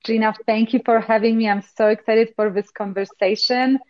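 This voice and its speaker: A woman from Poland with a Polish accent, a coach talking as a podcast guest in a reflective way with many pauses. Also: fairly high pitch, fairly even intonation, no echo, muffled recording. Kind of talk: conversational interview.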